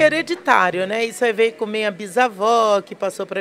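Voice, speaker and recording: Moderate pace and ordinary pitch variation from a woman with a plain, everyday voice, pitched fairly high. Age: 60s. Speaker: street food vendor. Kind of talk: interview.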